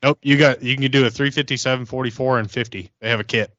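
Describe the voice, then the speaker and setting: Blunt lowish guy in casual game chat, dry slightly muffled audio. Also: steady tone, quick pace, a bit bright, dry recording. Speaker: player in a tabletop RPG podcast.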